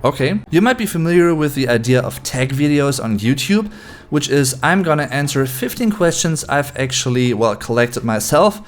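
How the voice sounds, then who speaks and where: A man's voice: medium pitch, animated, normal speed, slight background noise. A man in his late twenties from Germany, a native German speaker with a German accent, chatting casually to camera as a YouTube host and mixing German words into his English. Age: late 20s.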